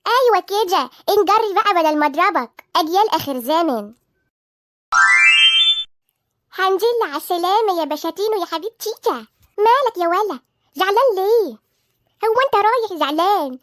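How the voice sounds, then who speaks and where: A woman voicing a nagging, sharp-tongued elderly grandmother who speaks with an Egyptian accent and a scolding, folksy manner in a cartoon. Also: extremely high pitch, expressive, quick pace. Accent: Egyptian Arabic.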